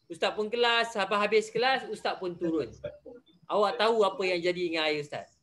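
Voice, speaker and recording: A man's voice: sits high, a little fast, very noisy. A young man with a Malaysian Malay accent, a religious teacher telling a story to his pupils in an online class and quizzing them as he goes. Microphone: video call.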